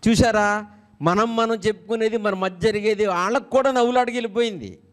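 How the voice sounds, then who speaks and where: A pastor with a Telugu accent delivers an animated sermon. His voice sits a little high for a man. He swings between teaching and playful storytelling. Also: brisk. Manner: animated preaching with jokes and acted-out quotes.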